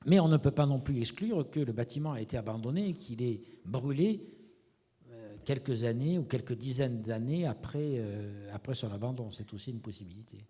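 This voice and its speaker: A man leading a seminar, asking measured questions and thinking aloud about the findings. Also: mid-range voice, animated, warm tone, slightly rough. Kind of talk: academic discussion. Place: lecture hall. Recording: reverberant lecture hall.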